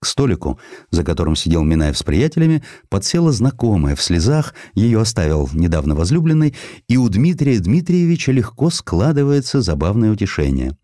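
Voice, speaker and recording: A man narrating a historical sketch in an expressive scripted style, with dramatic, deliberate phrasing. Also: lowish voice, no echo, studio quality. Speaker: audiobook narrator.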